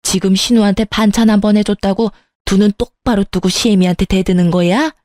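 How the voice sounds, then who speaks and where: A woman's voice: medium pitch, steady tone, a little fast, a little mellow, no room sound, studio quality, natural voice. An actress playing a domineering older mother-in-law in a radio drama, scolding and condescending. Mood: indignant. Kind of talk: Korean story radio drama.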